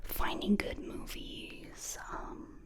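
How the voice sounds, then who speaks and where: A woman in her twenties from the United States, whispering ear to ear as she answers viewer questions in a relaxed, chatty way. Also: drawn-out words. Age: 20s. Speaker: ASMR creator. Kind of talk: whispered ASMR Q&A. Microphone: close binaural mic.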